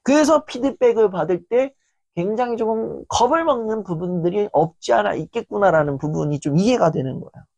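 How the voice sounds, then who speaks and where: A woman giving a motivational lecture in a lively, animated way, often acting out quotes. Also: mid-range voice, fairly quick, gravelly, no room sound. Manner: animated, acts out quoted lines.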